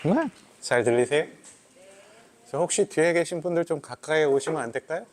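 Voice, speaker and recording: A man speaks on stage as the guest therapist at a live event. He is friendly and relaxed and talks straight to the audience, with faint noise behind him. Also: a little high, normal speed. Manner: friendly, relaxed, addresses crowd directly. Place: indoor event hall.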